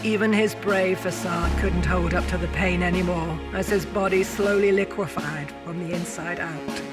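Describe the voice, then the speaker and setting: The weary captain of a doomed mining ship in a science fiction audio drama. His voice sits high for a man and carries solemn, formal grief. Music plays clearly underneath. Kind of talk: dramatic sci-fi audio drama, log narration.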